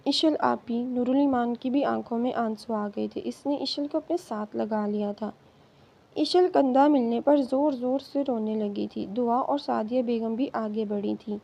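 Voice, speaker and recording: A woman narrating a romance novel in steady, dramatic storytelling. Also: a little high, gravelly, dull audio. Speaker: novel reader.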